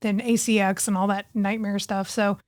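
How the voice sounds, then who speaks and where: A woman's voice: mid-range voice, flat delivery, normal speed, no echo, studio quality. A young adult woman co-hosting a podcast in casual chat, laughing often and acting out the lines she quotes. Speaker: podcast co-host, author.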